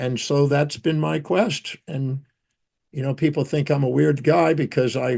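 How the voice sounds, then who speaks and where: Somewhat breathy male voice, fairly high in pitch, with a dark, mellow tone and ordinary pitch variation. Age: 70s. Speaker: author and teacher. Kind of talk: interview. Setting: podcast.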